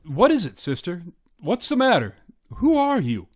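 A woman's voice: medium pitch, huge pitch swings, normal speed, crowd noise. Woman acting a brusque, swooping county sheriff. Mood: steadying. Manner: folksy, brusque, commanding. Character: gruff, take-charge county sheriff. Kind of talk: old-time radio drama acting.

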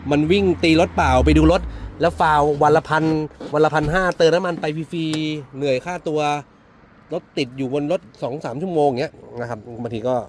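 A man's voice: fairly high pitch, fairly quick, slight background noise. A man with a Central Thai accent, chatting casually as he shows a used car from the inside and jokes with viewers. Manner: chatty, talks to the viewers as older siblings, jokes at himself. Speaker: used car dealer presenting a car. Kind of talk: casual car walkaround vlog.

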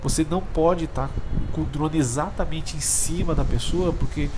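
Brazilian man vlogging over loud background noise. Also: fairly high pitch, moderate pace. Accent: Brazilian Portuguese. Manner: chatty, constant check-in tags. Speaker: drone channel host. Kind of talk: casual explanatory product review vlog. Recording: loud wind and traffic noise.

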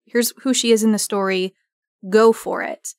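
A woman's voice: mid-range voice, steady tone, normal speed, a little mellow, clean tone, no room sound, clean studio sound. A woman hosting a casual roundtable interview and putting questions to guests. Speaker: roundtable host.

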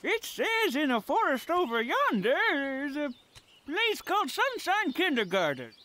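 Slow, folksy old goat. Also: female voice, high-pitched, big pitch swings, bright, forceful tone, slight background noise, full character voice. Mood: helpful. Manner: folksy, halting, muttering. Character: kindly, fussy old goat elder. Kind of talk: children's cartoon acting.

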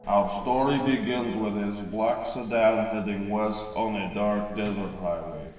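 An actor playing a stiff ensign who narrates a comic radio drama in deadpan, oddly worded sentences. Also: male voice, lowish voice, a little slow, over music, lightly acted. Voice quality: stilted, deadpan, odd grammar. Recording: very echoey, distant mic.

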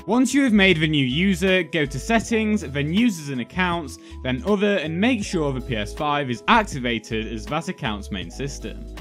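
A young man narrates a scripted how-to guide in a fairly high voice with very animated intonation. He lays out instructions step by step as a video host. Music plays softly behind him. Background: background music.

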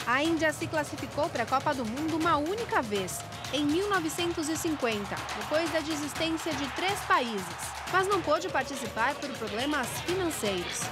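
A woman's voice: high voice, expressive, normal speed, hardly any pauses. A woman with a Brazilian accent giving scripted news narration as a reporter. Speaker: news reporter and voice-over translator. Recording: music behind the voice. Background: music.

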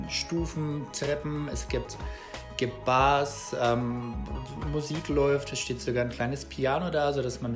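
Guy in his 30s doing a chill travel vlog from his room, lots of ähms, music under it. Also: mid-range voice. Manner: relaxed, chatty, many fillers and restarts. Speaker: travel vlogger. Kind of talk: casual travel vlog to camera. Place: small room at home, indoors.

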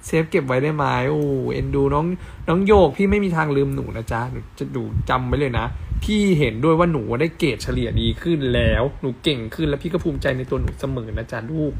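A man's voice: medium pitch, gravelly, slight background noise. A man hosting a casual live stream on a phone mic, reading fan comments aloud and chatting affectionately with fans. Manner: spells letters out slowly.

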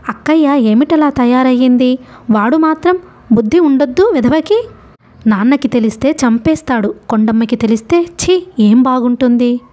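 Woman storyteller, audiobook novel reading, slightly high pitch, mellow tone, light shifts for dialogue. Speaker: narrator.

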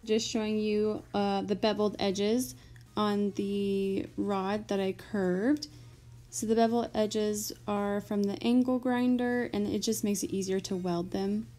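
A woman's voice: mid-range voice, flat delivery, measured pace, mellow, soft background music. A young woman chatting casually in a vlog, talking in an easygoing way full of "like" fillers. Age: young adult. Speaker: vlogger.

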